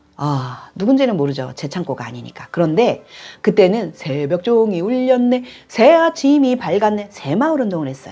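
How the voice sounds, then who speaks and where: Speaking at a moderate pace, a woman with a medium pitch and a dark, mellow tone shows very wide pitch swings and big swings in loudness. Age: 60s. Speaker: real estate consultant. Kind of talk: sales pitch with personal anecdote. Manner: conversational, storytelling.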